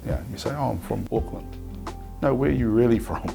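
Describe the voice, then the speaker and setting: A man, a community leader speaking in a steady, measured way in a documentary interview. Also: mid-range voice, creaky. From New Zealand. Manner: steady, measured, "you know" and "I suppose". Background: background music.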